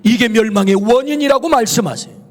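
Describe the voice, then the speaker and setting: A man's voice: very high voice, fairly quick. A male pastor preaching a sermon in a church sanctuary, emphatic, asking rhetorical questions and pronouncing blessings. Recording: long reverb of a church hall.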